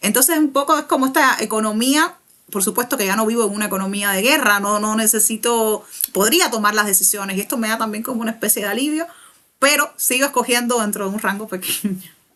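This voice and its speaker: Speaking very fast, a woman with a Cuban accent uses a fairly high pitch. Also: ordinary pitch variation. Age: 30s. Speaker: writer. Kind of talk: interview.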